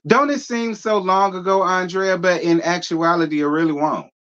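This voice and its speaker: A man's voice: high-pitched, steady tone, normal speed, a bit bright, clean tone, highs cut off. A man in his thirties hosting a casual live stream, reading viewer comments and answering with a sassy, drawling manner and frequent laughter. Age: 30s. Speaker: host reading live chat.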